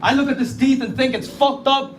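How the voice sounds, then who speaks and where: A man from the Philippines performing battle rap, hurling rhymed insults and sometimes shouting them. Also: very high voice, steady tone, fairly quick. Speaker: battle rapper. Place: live battle venue. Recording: echoey room, noisy live audio.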